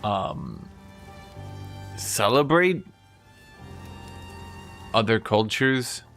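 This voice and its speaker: A man's voice: lowish voice, animated, extremely slow, creaky, a bit bright, faint music behind. A man streaming a game, chatting casually and rambling to his viewers. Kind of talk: casual chat while gaming.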